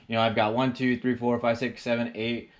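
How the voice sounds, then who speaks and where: Man, casual host, how-to talk, relaxed, chatty, average pitch. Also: a little fast. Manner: relaxed, chatty, fillers and repeats. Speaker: fishing podcast host.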